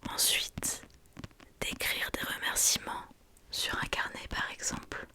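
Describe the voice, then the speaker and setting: A woman gives an ASMR talk entirely in a soft library whisper. Her delivery is very unhurried, with hesitant pauses as she explains. The voice stays breathy and unvoiced. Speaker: ASMR creator.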